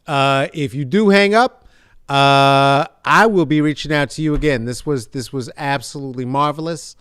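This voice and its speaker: Smooth-voiced man hosting a casual chat. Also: mid-range voice, normal speed, no echo, studio quality. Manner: rambling and playful, swings from hushed earnest to loud hype. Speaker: podcast host. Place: video call.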